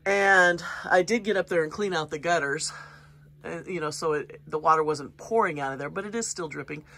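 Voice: medium pitch, a little fast, sharp tone. A gardening vlogger with a congested, sniffly voice, chatting casually and rambling a little while filming outdoors in a home garden on a handheld phone. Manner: rambling and chatty, with many fillers and small laughs. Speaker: gardening channel host. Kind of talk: casual walk-and-talk garden vlog. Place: outdoors in a home garden after light rain. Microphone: handheld phone camera.

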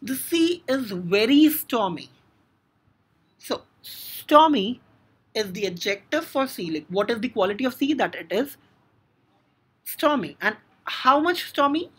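A woman's voice: fairly high pitch, expressive, a little slow, a bit bright, slightly rough. A woman with an Indian English accent teaching a grammar lesson, explaining step by step with frequent "now" and "so".

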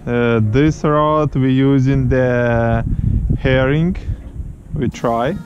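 A man speaks slowly and carefully in broken English, and his first language is Ukrainian. His voice has a medium pitch. Clear wind and engine noise comes through an action camera on an open boat. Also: fairly even intonation, darkish tone, lo-fi sound. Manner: slow, broken English, addresses viewers as guys. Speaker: fishing vlogger. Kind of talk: casual narration to viewers. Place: small boat outdoors on open water.

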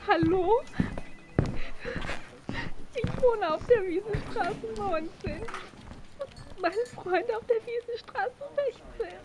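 A man voicing a young woman calling the emergency line, speaking slowly and haltingly. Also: very high voice, noisy background, voice pushed up. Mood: flustered.

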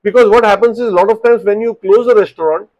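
An animated man in his thirties speaks with an Indian English accent, his voice sitting a little high for a man as he coaches restaurant owners. He talks straight to a desk webcam in a small room, restarting and repeating phrases as he explains. The sound is slightly dull and lo-fi. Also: quick pace. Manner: animated, gestures with both hands, repeats words while explaining. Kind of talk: direct-to-camera advice talk. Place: small indoor home office.

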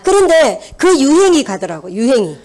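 A woman's voice: high voice, normal speed. A woman in her fifties from Busan with a Busan Gyeongsang accent, giving a motivational seminar talk and telling stories while asking the audience questions. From Busan, South Korea. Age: 50s. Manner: lively storytelling with audience questions. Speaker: seminar speaker. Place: seminar hall.

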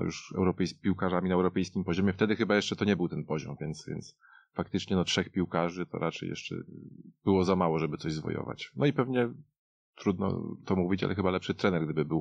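A man in a casual football discussion, talking haltingly and often repeating words as a panelist. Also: low voice, creaky, a little mellow, no room sound, muffled recording. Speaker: podcast panelist. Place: dry radio studio.

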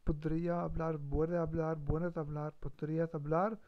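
A man's voice: a little high, little pitch movement, measured pace. A man practicing on a live stream, hesitant, full of fillers and self-corrections. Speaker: language learner streamer. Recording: dull lo-fi stream mic.

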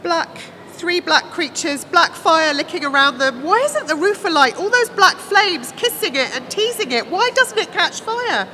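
A woman's voice: high voice, expressive, a little slow, bright, forceful tone, slight background noise, heavily acted. A woman voicing a frantic, fearful young prophetess gripped by visions, speaking in repetitive, fervent outbursts for an audiobook. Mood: rapt, bewildered. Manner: repetitive, breathless outbursts, screaming at peaks.

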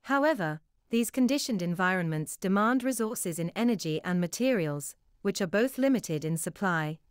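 A woman reads a prepared passage as a model answer. Her voice is very clear and smooth. It is recorded close, with a dry sound. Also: medium pitch, animated, moderate pace, dry recording. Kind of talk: scripted read-aloud exam passage.

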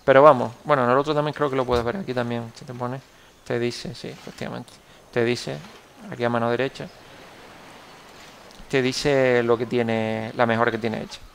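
A man's voice: mid-range voice, little pitch movement, moderate pace, creaky, a little hiss or hum, rough recording. A young man with a Canarian Spanish accent, giving casual gameplay commentary as he plays, rambling and correcting himself as he thinks aloud. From Canary Islands, Spain. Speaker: gameplay tutorial host.

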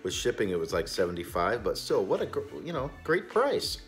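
A man's voice: lowish voice, huge pitch swings, fairly quick, faint music behind. A man in his forties hosting a cigar video channel, talking in an emphatic, indignant casual rant from a small room full of boxes. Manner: emphatic, indignant, gestures broadly with hands. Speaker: cigar review channel host. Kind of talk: opinionated casual vlog rant. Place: small storage room stacked with boxes, indoors.

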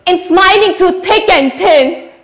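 A young woman from India performs a dramatic spoken-word monologue in measured, rhythmic phrases that swell through lists. Her voice sits high and moves unhurriedly. A stand mic catches her in a roomy hall. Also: fairly bright tone. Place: large wooden-walled hall.

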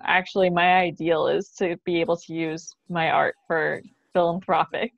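Creaky-voiced young woman on a call. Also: on the low side, flat delivery, moderate pace, no echo. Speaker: panel guest, playwright. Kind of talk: casual chat. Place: bright living room, indoors. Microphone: video call, computer mic. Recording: dull lo-fi video call audio.

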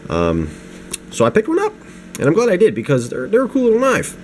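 A man's voice: high voice, wildly swooping pitch, brisk, darkish tone, faint music behind. A young man getting over the flu, rambling casually through an unscripted knife review at his home desk, with restarts and self-deprecating asides. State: low energy, getting over the flu, sniffly. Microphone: camera mic, hands-only framing. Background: space heater hum.

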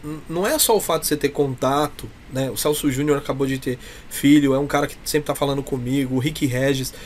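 Fast and mid-range, the voice belongs to a Brazilian-accented clown being interviewed, talkative and effusive in casual chat. Some slight noise is audible in the small indoor room with its cloth backdrop.

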